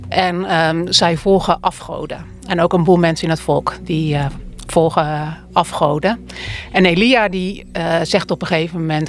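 Woman calmly retelling a Bible story. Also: on the low side. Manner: plain, unhurried explaining with hesitations.

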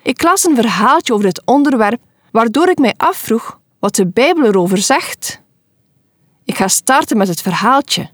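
Christian woman doing a devotional podcast, slow and encouraging, dry close sound, a bit high voice. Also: lively intonation, dry recording. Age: adult. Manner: earnest, encouraging, unhurried. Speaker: podcast host giving devotionals.

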